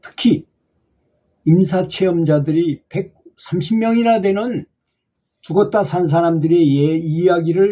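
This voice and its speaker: A high male voice, its pitch moving in an ordinary way. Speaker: meditation and well-dying lecturer. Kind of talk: spoken Buddhist dharma talk. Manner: casual, conversational storytelling.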